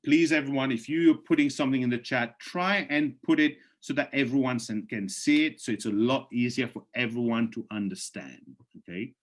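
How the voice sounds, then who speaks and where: A man presenting on a video call and then answering chat questions. He is persuasive and emphatic, pushes his voice up sharply on key points, and sounds hoarse, clearing his throat from time to time. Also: mid-range voice, moderate pace, few pauses. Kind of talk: webinar presentation with live Q&A.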